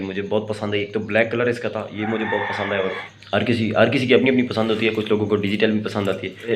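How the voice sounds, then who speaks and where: A hoarse man talks to camera in a loose, rambling vlog style, pausing on fillers and restarting sentences. His voice sits fairly low, and a faint hiss runs behind him. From Pakistan. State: hoarse from a sore throat. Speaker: vlogger. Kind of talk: casual vlog talk to camera.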